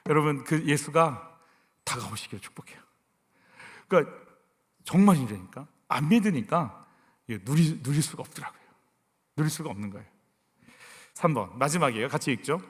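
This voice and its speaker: A middle-aged man preaching a sermon as senior pastor, acting out voices and sighs and moving between loud and hushed delivery. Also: fairly high pitch, expressive, normal speed, long pauses, husky, in a large hall. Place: church sanctuary.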